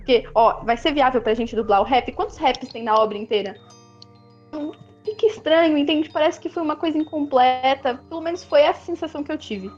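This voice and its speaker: A high-voiced Brazilian woman co-hosting a livestream, giving firm, critical opinions and explaining them at length. The audio is dull and lo-fi, with faint music underneath. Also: fairly quick, a little mellow. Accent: Brazilian Portuguese. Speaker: co-host. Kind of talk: casual livestream chat.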